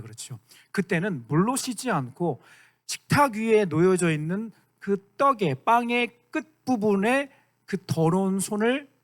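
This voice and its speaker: A man in his thirties, a youth pastor giving a lively sermon to high school students and often asking them to agree. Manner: animated, keeps asking the room for agreement; acts out quoted lines in dramatic voices.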